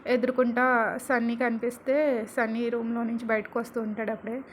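Brief: woman storyteller, high voice, faint room hum, animated story reading. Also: a little fast. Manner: animated, voices rising and louder for characters' lines. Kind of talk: reading a serial story aloud, acting each character.

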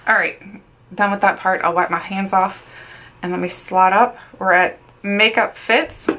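A woman's voice: medium pitch, fairly even intonation, measured pace, sharp tone. A woman in her thirties chatting casually while doing her makeup at a desk in a small room, repeating words for emphasis and saying she feels she is losing her voice. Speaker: beauty vlogger. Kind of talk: casual get-ready-with-me chat. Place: small bedroom makeup setup, indoors.

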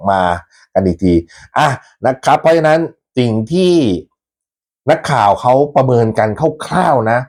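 Man hosting a football fan channel at an average pitch, talks loosely and laughs a lot. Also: lively intonation, moderate pace, vocal fry, darkish tone. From Thailand. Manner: chatty, rambling, laughs often, mild swearing. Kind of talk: casual fan commentary to viewers.

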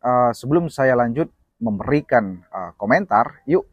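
A man's voice: medium pitch, lively intonation, measured pace, dry recording, highs cut off. A man hosting a reaction video who introduces a clip casually, with frequent hesitations. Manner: casual, peppered with "guys" and hesitations.

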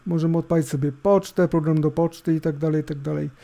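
A middle-aged man with a fairly high, soft-edged voice narrates a screencast casually. He rambles informally and hesitates, tossing in little tag questions. His voice has a gravelly creak, and a laptop fan hisses behind him. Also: flat delivery, fast talker. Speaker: host of a tech review video. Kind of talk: casual, unscripted screencast commentary. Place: indoors at a computer. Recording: hissing laptop fan noise. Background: laptop fan hum.

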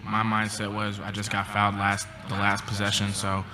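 A young man and college basketball player answering postgame press questions in a subdued, halting way, with many pauses and ums, into a table mic. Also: on the low side, monotone, pushed and bright, a little hiss or hum. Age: young adult. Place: press conference room.

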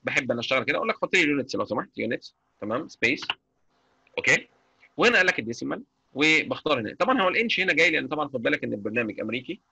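A man with an Egyptian Arabic accent teaching a live online software lecture, chatty and constantly checking that his students follow. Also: mid-range voice, sing-song, racing, gravelly, slightly rough, no room sound. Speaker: software instructor. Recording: dull lo-fi mic.

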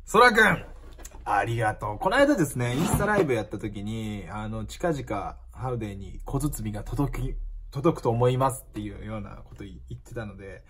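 A man's voice: fairly low pitch, expressive, moderate pace, a bit bright, slight background noise. A man chatting casually as he unboxes a gift parcel, musing aloud and reading out the labels as the shop owner and channel host.

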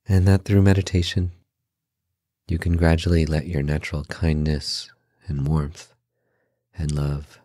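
A man with an extremely low, dark voice guides a meditation. He speaks calmly in short instructional phrases, leaving slow, unhurried space between them. The sound is close and dry. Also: dry recording.

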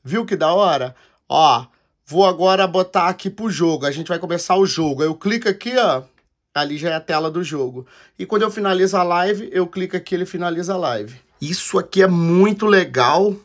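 A high-voiced Brazilian man walks viewers through his streaming setup. He talks casually and keeps pointing things out on screen. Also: expressive, normal speed. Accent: Brazilian Portuguese. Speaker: streamer and content creator. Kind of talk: casual tech demo.

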